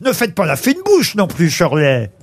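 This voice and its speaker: A man's voice: fairly high pitch, huge pitch swings, normal speed. A man hosting a radio call-in show, joking and teasing the callers. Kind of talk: casual call-in radio banter. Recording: radio broadcast with background noise.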